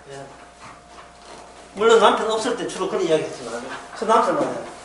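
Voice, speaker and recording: A man's voice: high voice, far from the mic, noisy background. A man with a Gyeongsang Korean accent preaching a sermon, asking rhetorical questions and slipping into dialect asides. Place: church hall. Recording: roomy hall, speaker off-mic.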